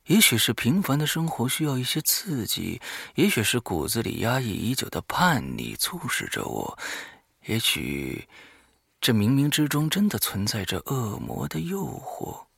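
A man's voice: mid-range voice, very animated, a little slow, vocal fry, fairly bright tone, breathy edge, dry recording, clean studio sound. A man hosting a horror audio show, reading a diary aloud dramatically and breaking off for offhand, muttered asides.

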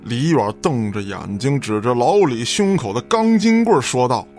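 A man's voice: mid-range voice, animated, normal speed, a little mellow, faint music behind. A man narrating an audio drama from a script in a dramatic storytelling style.

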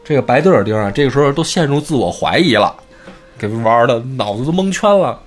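Lively joking male storyteller. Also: mid-range voice, quick pace, soft background music. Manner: chatty, joking. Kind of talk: comic storytelling.

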